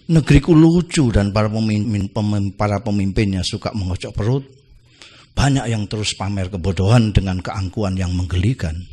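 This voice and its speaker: A man with a low, husky voice recites poetry theatrically. He drags some lines out slowly and lets others sink almost to a whisper. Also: darkish tone. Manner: theatrical, slow drawn-out lines, sudden drops to near whisper.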